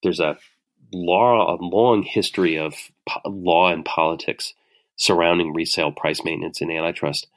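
Middle-aged guy with a really low voice, lots of ums, working through his ideas slowly. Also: steady tone, fairly bright tone. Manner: hesitant, many "um"s and restarts, thoughtful. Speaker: author and guest. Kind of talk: casual spoken explanation.

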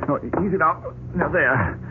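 A man's voice: a little high, animated, moderate pace, natural voice. Hissy old radio drama, man doing fretful henpecked politician guy, stammery, voice all over the place. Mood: flustered, indignant. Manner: stammering, fussy, protesting. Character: flustered, fretful male political candidate, henpecked husband. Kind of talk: 1940s radio drama acting. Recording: narrow-band, very noisy old radio recording.

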